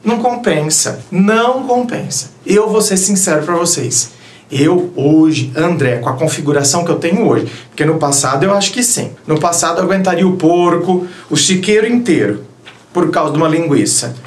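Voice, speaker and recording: A Brazilian man with a high-pitched voice talks straight to his viewers about relationships. He is blunt and teasing. His voice rings with the echo of a roomy space. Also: animated, normal speed. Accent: Brazilian Portuguese. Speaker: relationship advice youtuber. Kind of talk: casual advice monologue.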